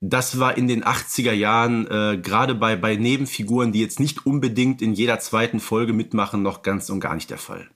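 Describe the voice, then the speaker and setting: A man's voice: fairly low pitch, fairly quick, hardly any pauses, fairly bright tone. Guy cohosting a podcast, explains stuff at length, lots of ums. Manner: explains at length, with frequent "äh" fillers. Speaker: podcast co-host. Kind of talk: casual chat.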